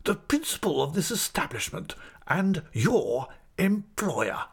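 A man's voice: high voice, big pitch swings, takes it slowly, gravelly, husky, pitched above the performer's own voice, heavily acted. A man voicing an irascible, pompous school principal in an audiobook, full of sarcastic politeness and whispery menace. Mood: indignant, pompous. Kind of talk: audiobook character acting.

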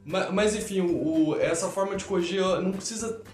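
In an echoey room with faint music behind, a Brazilian man speaks in a fairly high voice. He hosts a live stream and talks casually about teaching children, explaining through everyday examples. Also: a little fast, darkish tone.

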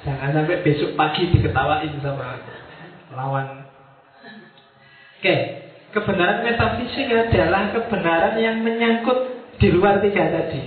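A man's voice: high voice, a little slow, long pauses. A man giving a casual, joking lecture to a university class, speaking to the students directly. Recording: distant mic, tinny, very echoey room.

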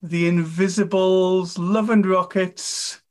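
A woman in her fifties chats as an interview guest, eager and quick to poke fun at herself. She talks freely and warmly about her interests and her books, in an easy, unguarded conversational flow. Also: lowish voice, steady tone. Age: 50s. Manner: chatty, enthusiastic, self-deprecating. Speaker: author and guest. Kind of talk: casual interview chat.

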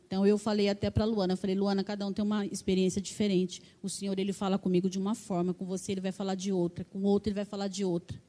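A woman's voice: medium pitch, level tone, racing, hardly any pauses, warm tone. Fervent Brazilian woman preaching. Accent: Brazilian Portuguese. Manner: fervent, personal testimony with many "né" tags. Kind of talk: sermon.

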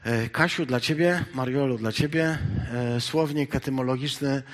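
A man preaching a sermon, shifting between loud, emphatic exhortation and quiet, halting asides full of hesitations. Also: medium pitch. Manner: halting, with many hesitation fillers.

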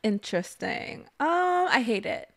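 A woman's voice: fairly high pitch, sing-song, a little slow, vocal fry. A young woman co-hosting a podcast in casual chat, laughing often and rambling with fillers. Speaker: podcast co-host.

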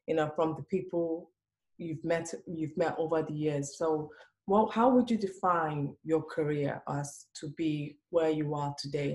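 A woman hosting an interview show, asking questions in a halting, self-correcting way. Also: low voice, a little mellow, rough recording. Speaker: host.

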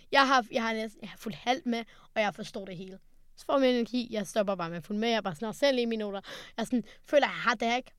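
A teenage girl co-hosting a podcast, telling rambling, animated stories in casual chat. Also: on the high side, clear, resonant tone, dry recording, clean studio sound. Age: late teens. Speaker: podcast co-host. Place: studio.

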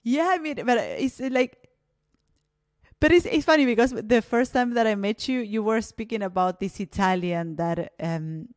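A woman's voice: on the high side, normal speed, no echo. A woman from Argentina hosts a casual interview, thinking aloud in a reflective way and leaning on fillers. The sound is dry and close, with no room around it. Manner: reflective, many fillers like "you know" and "like". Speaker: podcast host. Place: Berlin.

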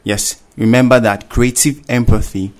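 A man explains new words on a children's radio program in a voice of ordinary pitch. His delivery is steady and explanatory, like a patient teacher. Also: normal speed. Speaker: radio show co-presenter. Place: radio studio.

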